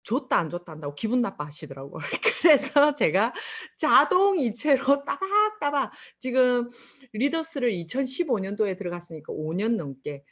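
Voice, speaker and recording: Middle-aged woman, Busan dialect, seminar testimonial, lively acted-out storytelling, bright-ish higher voice. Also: normal speed, few pauses. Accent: Busan Gyeongsang dialect. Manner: animated storytelling with acted-out quotes. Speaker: motivational speaker at a sales seminar. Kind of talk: testimonial speech to an audience.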